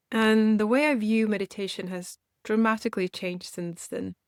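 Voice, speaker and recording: A woman leads a guided meditation with a gentle, instructional delivery. Her voice sits at an average female pitch and is recorded very dry, with little room sound. She is reassuring and leaves unhurried space between her phrases. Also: clear, resonant tone, no room sound.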